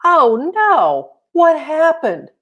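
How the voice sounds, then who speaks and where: A woman's voice: sits high, huge pitch swings, extremely slow, a bit bright, lo-fi sound, voice pushed up, exaggerated voice. A woman voicing an eager, bossy young schoolgirl in a storybook read-aloud, with emphatic exclamations. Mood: alarmed.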